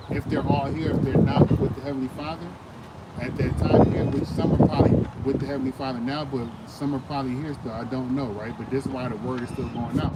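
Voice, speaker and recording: Earnest man street preaching amid loud noise. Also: medium pitch. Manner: earnest, emphatic, repeats phrases, often says "sir". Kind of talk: informal street preaching in conversation. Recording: loud outdoor traffic and ambient noise.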